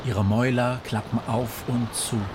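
A man reading a fairy tale aloud in a measured, solemn way that slows down for dramatic moments. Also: mid-range voice, level tone, noisy background. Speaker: narrator. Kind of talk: scripted storybook narration.

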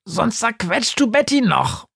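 A man's voice: very high voice, big pitch swings, measured pace, creaky, fairly bright tone, slightly rough, pitched above the performer's own voice, full character voice. A man voicing a grumpy, armless little flying house ghost who calls out bossily, in an audiobook. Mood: harried. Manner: harried, bossy calling out. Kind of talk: audiobook character voice.

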